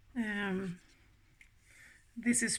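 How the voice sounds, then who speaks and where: A woman speaks at a medium pitch with a non-native accent and a somewhat breathy quality. Her intonation stays fairly even. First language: Swedish. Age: 50s. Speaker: beauty vlogger. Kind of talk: casual chat. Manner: chatty, rambling.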